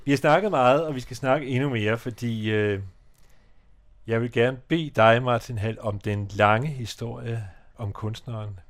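A man from Denmark co-hosting a relaxed radio chat about music, often adding small tag questions. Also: medium pitch. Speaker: co-host.

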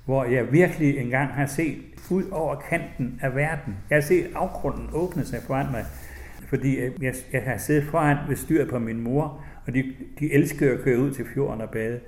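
An older man from West Jutland reminisces in a soft, reflective voice, pausing and restarting often. He then reads slowly and deliberately from his own book. His mid-range voice carries a clear echo from the room. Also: mid-range voice. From West Jutland, Denmark. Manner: gentle, reflective, halting, with restarts; slow, measured reading voice. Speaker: author. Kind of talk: personal memories, then reading aloud from his book.

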